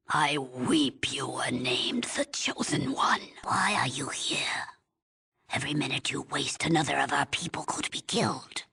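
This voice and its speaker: An old tribal village elder, stern and weary. Her low voice is badly husky and often drops to a whisper. She speaks solemnly and haltingly, as one used to giving orders. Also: fairly bright tone, full character voice. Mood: stern, urgent. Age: older. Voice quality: breathy, husky rasp. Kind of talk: dramatic video game voice acting.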